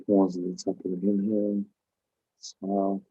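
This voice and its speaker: A man leading a guided meditation as a spiritual teacher, giving calm, measured instructions with pauses. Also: low-pitched, highs cut off.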